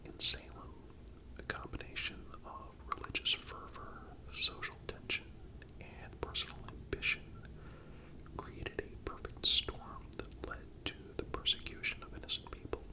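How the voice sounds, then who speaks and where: Casting: ASMR narrator, fully whispered, breathy, calm and deliberate scripted delivery. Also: rough recording. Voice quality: breathy unvoiced whisper throughout. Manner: calm, measured, deliberate phrasing. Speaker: narrator and channel host.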